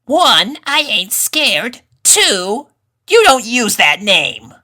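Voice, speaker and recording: Man doing a touchy, bright-voiced young colt. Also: very high voice, huge pitch swings, very slow, pitched above the performer's own voice, full character voice. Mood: indignant. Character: touchy, defensive young colt pony, cautious but proud.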